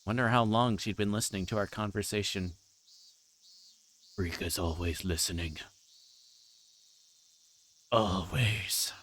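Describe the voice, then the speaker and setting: A man livestreaming a visual novel, reading story text aloud and adding halting, informal asides. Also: on the low side, steady tone, fairly bright tone. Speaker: streamer playing a visual novel. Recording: clear background noise, insect-like ambience.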